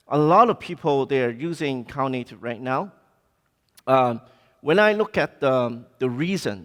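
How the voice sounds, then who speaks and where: Male conference speaker, Hong Kong accent, medium pitch, informal and halting phrasing, reverberant hall sound. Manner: halting, informal, non-native English phrasing. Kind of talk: conference presentation. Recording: echoey hall, long reverb.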